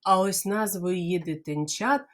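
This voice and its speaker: Helping small children pronounce words clearly, a Ukrainian kindergarten teacher speaks in a lowish voice, drawing each word out in slow, exaggerated syllables. Between words she playfully mimics bird calls as part of the speech lesson.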